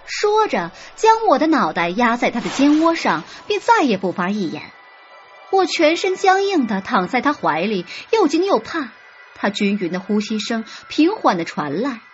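A woman's voice: a little high, very animated, normal speed, highs cut off, soft background music. A woman narrating a romance audiobook expressively, acting out the heroine's lines.

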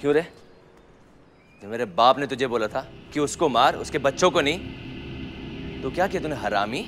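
A man's voice: mid-range voice, moderate pace, background noise, natural voice. An actor playing a vengeful young gangster who taunts and berates a policeman with contempt. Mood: taunting. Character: vengeful young male gangster, menacing, bitter. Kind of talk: stage-style TV drama acting. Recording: drama with loud background music.

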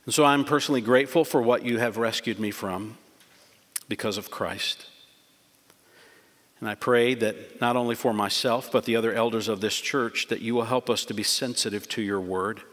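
A middle-aged pastor with a lowish, slightly bright voice preaches earnestly from a church pulpit and ends with a prayer. His delivery is emphatic and full of repeated phrases, and a long church-hall reverb trails every word.

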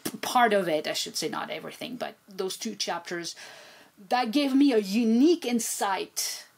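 French-native woman guest on a video call, animated chat, words tumbling out. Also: mid-range voice, moderate pace, gravelly. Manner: animated, expressive, repeats words when excited. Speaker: guest, poet and translator. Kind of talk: casual conversational interview. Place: home room with bookshelves.

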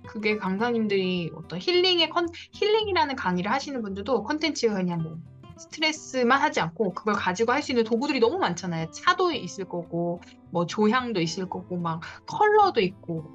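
A woman's voice: medium pitch, very animated, fairly quick. Encouraging woman coach, dull call audio. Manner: encouraging, advising. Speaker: coach for independent lecturers. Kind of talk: one-on-one online coaching talk. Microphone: video call. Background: faint guitar music.

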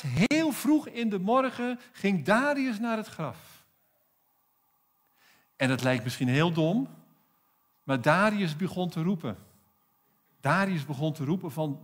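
Man, pastor, South African accent, sermon, slow measured delivery, slightly high voice, emphatic rhetorical questions. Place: church.

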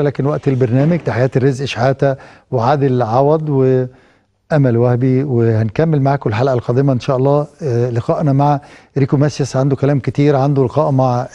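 A man's voice: medium pitch, dark tone, no room sound. A man with an Egyptian Arabic accent, hosting a talk show on location outdoors, upbeat and chatty. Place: outdoors by a fountain in a city square. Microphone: handheld microphone.

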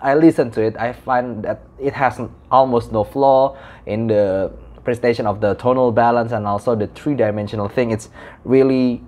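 A young man gives a casual product review to camera, in halting, repetitive phrasing. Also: medium pitch, steady tone, a little mellow. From Indonesia. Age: young adult. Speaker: audio gear reviewer. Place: small room indoors.

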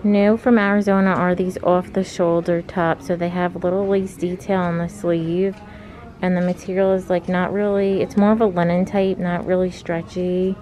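A woman's voice: fairly low pitch, little pitch movement, moderate pace, warm tone, poor audio. A young woman chatting casually as she films herself shopping in a clothing store, talking with lots of "like" fillers. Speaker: fashion vlogger. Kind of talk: casual shop-with-me narration. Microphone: handheld phone camera. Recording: background music playing over voice.

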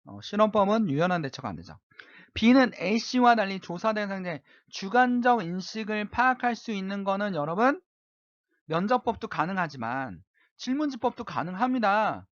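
A male teacher with a high, animated voice, lecturing online and constantly checking that students follow along. The recording is dry and somewhat dull. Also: normal speed, dry recording. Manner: keeps asking "right?" to check understanding. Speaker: high school social studies teacher.

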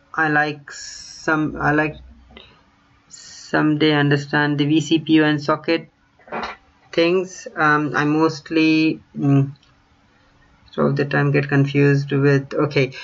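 With a fairly high, slightly bright voice and lo-fi sound, this man in his thirties speaks with an Indian accent blended with British. He's a tech YouTuber doing a casual screen-share vlog indoors at home, reading comments chattily with many ums and restarts.

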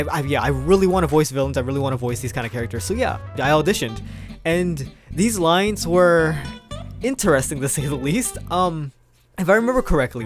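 A young man telling a casual storytime in a chatty, slangy, rambling way as a video creator. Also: fairly high pitch. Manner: animated, chuckling, informal slangy rambling. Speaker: video creator, amateur voice actor.

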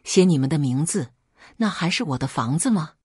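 A woman's voice: low-pitched, expressive, brisk, darkish tone, breathy edge, no echo, studio quality. Snarling, spoiled younger brother, read by a woman. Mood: resentful. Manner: snarling, resentful.

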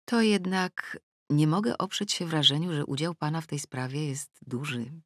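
A woman reading a novel aloud in the first person. She moves between sharp, scornful asides and a calm, measured advice-column voice. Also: low voice, dry recording, clean studio sound. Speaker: audiobook narrator. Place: recording booth. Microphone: studio microphone.

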